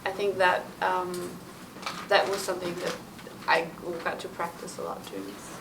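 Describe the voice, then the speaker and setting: A woman's voice: on the low side, very animated, moderate pace, recorded from a distance, noisy background. A young woman, a doctoral fellow, reflecting thoughtfully in a group discussion with hedging phrases. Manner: thoughtful, hedging, laughs easily. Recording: voice a bit off-mic.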